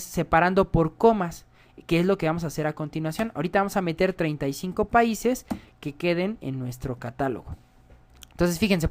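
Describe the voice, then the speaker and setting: A man giving a coding tutorial, explaining step by step and often checking in with viewers. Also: high voice. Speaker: programming instructor.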